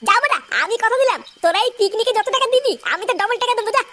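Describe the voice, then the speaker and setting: A woman's voice: very high voice, lively intonation, rapid-fire, heavy background noise. A woman voicing a cheeky, boastful, foul-mouthed young village lad in a comedy cartoon. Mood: indignant boasting. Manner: brash, slangy, swearing.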